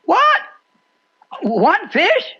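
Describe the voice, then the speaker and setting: Old male preacher as excitable doubting fisherman in a Bible tale, very high husky pitch, muffled radio sound. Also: very slow, heavily acted. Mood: incredulous. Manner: exclaiming, questioning, folksy. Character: incredulous, excitable biblical fisherman questioning orders. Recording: dull lo-fi shortwave radio sound.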